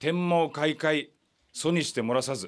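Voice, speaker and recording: Pitch shifts in an ordinary way while the delivery keeps to a moderate pace. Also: man. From Kanagawa, Japan (Odawara); Kanagawa, Japan. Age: 60s. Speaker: mayor. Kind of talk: live TV interview. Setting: TV studio. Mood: calm, earnest.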